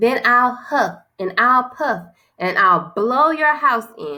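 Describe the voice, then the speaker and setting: A woman does a put-on character voice with a growl. Her pitch is high, and her pace is very slow. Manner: growling, menacing.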